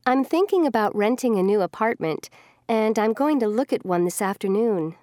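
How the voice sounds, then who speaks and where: A woman's voice: fairly high pitch, lively intonation, normal speed, darkish tone, dry recording, clean studio sound, natural voice. A woman playing someone chatting plainly with a friend in a scripted listening-test dialogue. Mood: casual, friendly.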